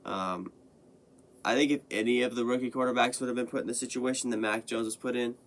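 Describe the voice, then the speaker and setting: A young man hosting his own sports podcast, talking casually and rambling with lots of fillers and restarts, his voice a little hoarse after being sick. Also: mid-range voice, fairly even intonation, fast talker. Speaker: podcast host. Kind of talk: casual sports commentary monologue.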